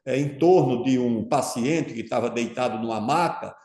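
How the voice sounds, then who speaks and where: A man answers as an interview guest in a warm, mid-range voice at a moderate pace, with roomy echo around him. He lays out his views at length and emphatically, repeatedly checking in with his listener by asking "tá certo?".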